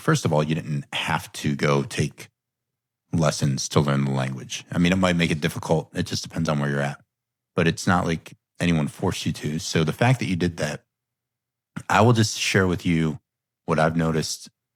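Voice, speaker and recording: Speaking at a fairly quick pace with long, frequent pauses, a man with a very deep, low pitch shows ordinary pitch variation. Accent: American. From United States. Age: middle-aged. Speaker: podcast host, military staff officer. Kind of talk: casual interview conversation.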